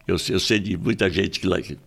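A gravelly, fairly low voice from a Brazilian man in his nineties. He is a retired agronomist chatting as an interview guest. He repeats words and restarts, often ending on a tag question. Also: brisk. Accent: Brazilian Portuguese. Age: 90s. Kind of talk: casual chat.

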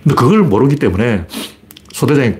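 Blunt, animated male commentator. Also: mid-range voice, brisk, slight background noise. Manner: blunt, colloquial, argumentative with rhetorical questions. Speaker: political commentator. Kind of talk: solo commentary broadcast.

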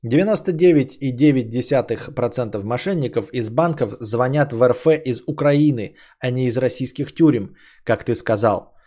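A man's voice: mid-range voice, moderate pace, hardly any pauses, warm tone. A man hosting a podcast stream, reading out donations and rambling casually with many hesitations and blunt swearing. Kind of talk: casual livestream chat.

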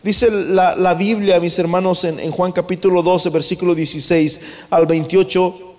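A man's voice: sits high, fairly even intonation, moderate pace. Man, preacher, fervent sermon, long hall reverb. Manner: swings from hushed to loud, fervent.

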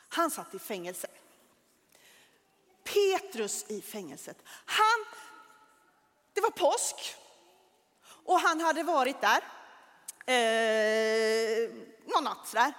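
A woman with a high, bright-sitting voice tells a Bible story to children, animated and dramatic. Her words ring out with a long reverb, as in a large church hall.

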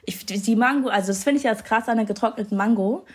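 A woman's voice: fairly high pitch, fast, husky. A young woman from northern Germany, a bubbly podcast guest in casual chat who laughs often and drops English slang. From Schleswig-Holstein, northern Germany.

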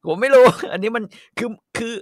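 A man's voice: extremely high pitch, a little fast, no echo, clean studio sound. A man chatting bluntly and swearing casually as he talks about politics. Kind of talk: casual chat with karaoke singing.

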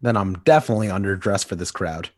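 A man's voice: low voice, fast talker, no echo, studio quality, lightly acted. A man reading the part of a nostalgic grown-up superhero, talking in earnest first-person monologue. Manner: wistful, earnest inner monologue. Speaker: podcast co-host. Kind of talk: amateur comic dramatic reading.

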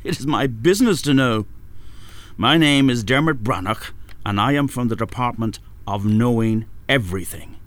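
An actor with an Irish accent playing a pompous, menacing kidnapper who poses as a government official in a black comedy radio drama. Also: male voice, mid-range voice, moderate pace, fairly bright tone, close to an everyday voice. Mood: smugly menacing.

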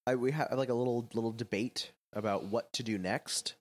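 A man's voice: mid-range voice, steady tone, fairly quick. Man, podcast co-host, casual chat, wry and dry recaps.

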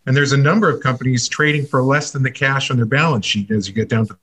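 Guy analyst explaining stuff calmly, kinda husky voice. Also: medium pitch. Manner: measured, clear explanations. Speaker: industry analyst guest. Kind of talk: measured expert commentary.

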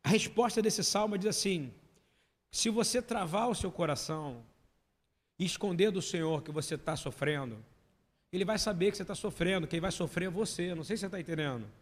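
A man's voice: high-pitched, expressive, brisk. A man preaching a sermon as pastor, emphatic and full of questions to the congregation. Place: church hall. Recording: long hall reverb.

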